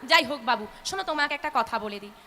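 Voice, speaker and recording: A woman voicing a gentle old male holy man in a told story, speaking softly and coaxingly in a Bengali accent. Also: sits high, lively intonation, rapid-fire, a little hiss or hum, voice pushed down. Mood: pleading.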